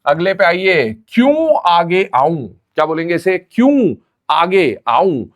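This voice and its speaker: Guy teaching chemistry, kinda high voice, says each trick twice real slow. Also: very animated. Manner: repeats mnemonics slowly, calls students "beta". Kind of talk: classroom lecture.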